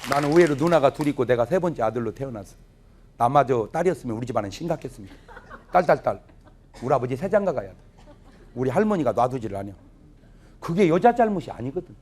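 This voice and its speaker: A man's voice: medium pitch, fast talker, long pauses, a faint crowd. A middle-aged man, a pastor, preaching a revival sermon full of humorous family stories that he acts out in dialogue. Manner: lively storytelling, acting out family dialogue. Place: church revival meeting, audience laughing.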